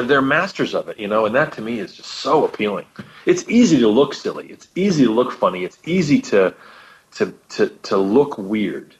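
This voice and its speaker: A podcast guest with a fairly low voice chats casually about old radio comedy, musing thoughtfully and rambling as ideas come to him. He keeps circling back, restarting sentences and repeating words, and the audio sounds muffled and lo-fi.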